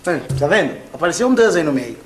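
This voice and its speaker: A man's voice: fairly high pitch, sing-song, quick pace. A man in an educational sketch, talking in a playful back-and-forth way. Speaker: actor in an educational show. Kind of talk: scripted classroom sketch dialogue.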